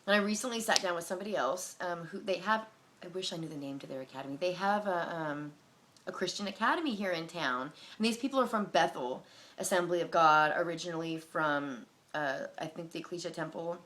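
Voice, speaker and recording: Bright-voiced woman rambling to camera. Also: fairly low pitch, brisk. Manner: rambling, filler-heavy, animated, mimics people with loud barking sounds. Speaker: vlogger. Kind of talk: casual talk to camera.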